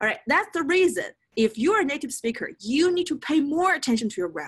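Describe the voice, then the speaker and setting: Very wide pitch swings at a fairly quick pace. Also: woman, high pitch for a woman. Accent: Chinese. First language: Chinese. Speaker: test prep teacher. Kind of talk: lecture. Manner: casual, conversational with frequent okay and right.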